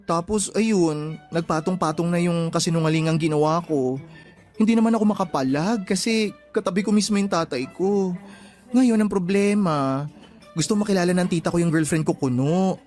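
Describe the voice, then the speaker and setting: A man's voice: sits high, moderate pace, darkish tone, faint music behind, natural voice. An actor playing a flamboyant, closeted young gay man who gossips and schemes in a radio drama, full of colloquial slang. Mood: confiding, worried. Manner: campy, sassy, gossipy storytelling.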